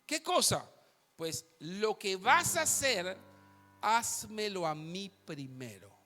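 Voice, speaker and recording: A male pastor preaching an animated live sermon in a church, telling stories to the congregation. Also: high-pitched, takes it slowly. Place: church sanctuary. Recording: long hall reverb, faint guitar behind.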